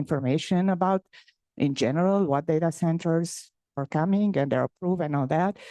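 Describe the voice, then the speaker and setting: With a dark, mellow tone and fairly low pitch, a woman speaks at a fairly quick pace with ordinary pitch variation, the sound dry and close with no echo. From Romania. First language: Romanian. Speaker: public commenter. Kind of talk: public comment at meeting. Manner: halting.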